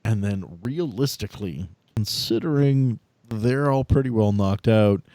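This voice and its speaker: A man speaking casually as game master, narrating and bantering in a halting, sardonic, sweary way. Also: lowish voice, mellow, no room sound.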